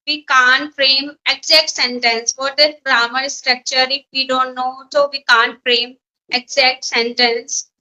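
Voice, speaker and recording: High bright Indian woman, hesitant English. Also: low-quality recording. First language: Hindi. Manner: hesitant, searching for words. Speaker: school teacher learning English. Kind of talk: English practice conversation. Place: at home in a small village.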